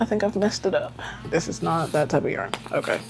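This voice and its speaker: A soft-spoken woman mumbles her words. Noticeable background noise runs underneath. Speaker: crochet YouTuber. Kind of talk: casual crochet tutorial vlog. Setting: in bed at home. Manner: mumbling.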